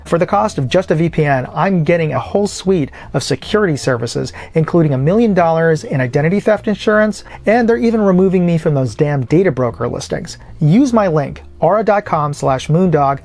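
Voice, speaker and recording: A man's voice: on the high side, animated, fairly quick, few pauses, darkish tone. A man hosting a casual product review, explaining things informally with colloquial phrases as he demonstrates gear. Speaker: product reviewer and channel host.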